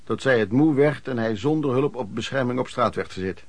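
A man's voice: mid-range voice, brisk, no echo, lightly acted. An actor playing a former street peddler who frankly recounts his youth as radio play narration, in a conversational way. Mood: storytelling. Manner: conversational storytelling.

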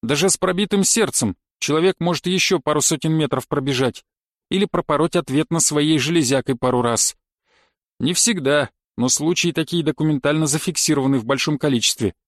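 A man's voice: fairly high pitch, fairly quick, dry recording, clean studio sound, lightly acted. A man voicing a pedantic male knife-fighting coach who lectures dryly and thoroughly in an audiobook. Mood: lecturing. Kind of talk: audiobook character reading.

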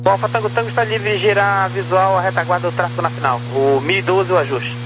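A man with a high voice directs aircraft over the radio as an approach controller. His phrasing is quick and procedural. The channel carries clear hum and noise. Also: steady tone. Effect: aviation radio. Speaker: approach air traffic controller. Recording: noisy, humming air traffic radio.

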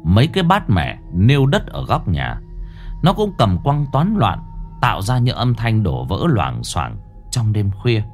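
A man reading a ghost story aloud in a dramatic, expressive way. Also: on the low side, measured pace, faint music behind. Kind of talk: scripted horror story narration.

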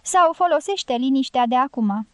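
A woman reading the part of a tipsy male gypsy guerrilla who keeps urging in a low, insistent voice. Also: animated, clear, resonant tone, dry recording. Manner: urgent low prodding, half-whispered.

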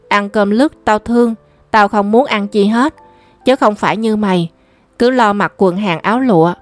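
A woman's voice: mid-range voice, no room sound, natural voice. Defiant sulking stepson, as a woman reads him. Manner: defiant, reproachful retorts. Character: angry stubborn young boy, sulking stepson.

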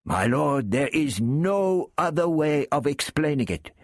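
A man voicing a wily, overly polite male thief who fawns and keeps flattering his captive. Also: fairly high pitch, measured pace, no room sound, clean studio sound, pitched above the performer's own voice. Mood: wheedling. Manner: fawning, keeps saying my lord.

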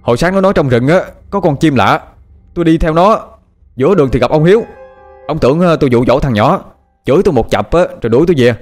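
A scared young drifter pleads his case in a raised, hurried voice, as a male narrator puts him on. His pitch runs high and jumpy. Soft music sits behind him. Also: expressive, lightly acted. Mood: frantic. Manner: fast, loud, defensive protesting. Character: frightened scruffy young village drifter.

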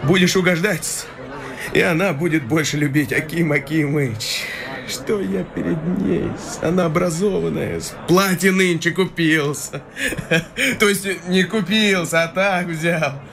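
A fawning tipsy clerk. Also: male voice, on the high side, a little slow, a crowd in the background. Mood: boastful. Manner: obsequious, laughing, expansive. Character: young male clerk, fawning, tipsy, boastful. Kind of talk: radio play acting.

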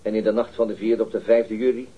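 Very husky, stern police interrogator. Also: male voice, lowish voice, fairly even intonation, fast, dark tone. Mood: stern, methodical. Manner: formal, curt, authoritative. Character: stern, methodical, commanding male police interrogator. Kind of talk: radio crime drama acting. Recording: dull, muffled radio drama recording.

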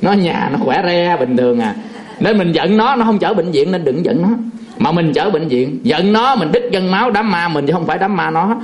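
A man's voice: high-pitched, lively intonation, moderate pace. A man, a Buddhist monk telling a folksy, chuckling story in a sermon, full of fillers.

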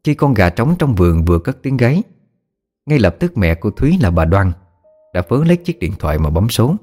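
A man reading a scripted horror story in a dramatic, expressive way. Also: fairly low pitch, a little fast, soft background music.

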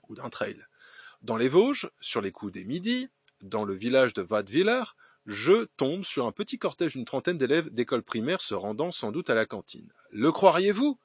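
Male podcast host, husky, animated delivery, reads listener mail with hesitations, dry close sound. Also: medium pitch, dry recording. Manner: hesitant reading with fillers and restarts, ironic asides. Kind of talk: reading listener letters aloud with asides.

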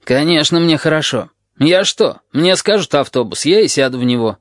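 A man's voice: fairly high pitch, animated, moderate pace, no echo, natural voice. A defensive, grumbling voice of a nervous teenage boy, as a man reading puts him on. He sounds gloomy and suspicious. The voice is slightly raised in a close, dry recording.

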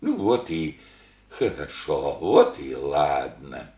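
A man's voice: a bass voice, very animated, takes it slowly, mellow, heavily acted. An actor playing a meek old village grandfather in a radio play, speaking in folksy rustic speech with a hesitant drawl. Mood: coaxing. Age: older. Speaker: old father visiting his daughter. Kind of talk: Soviet radio play acting. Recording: roomy old radio studio recording.

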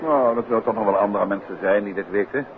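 An actor in a 1950s radio drama playing a calm, courteous amateur detective who talks in a measured, affable way. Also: male voice, on the low side, narrow, tinny audio, noisy background, close to an everyday voice. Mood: teasing, affable. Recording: old thin band-limited radio recording.

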